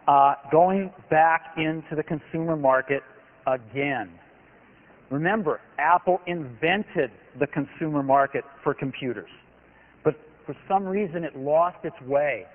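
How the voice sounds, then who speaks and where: Enthusiastic man giving a keynote. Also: on the high side. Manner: enthusiastic, emphatic salesmanship. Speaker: company executive giving a keynote. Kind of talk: product keynote presentation. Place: large conference hall stage. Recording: tinny lo-fi archive recording of a hall.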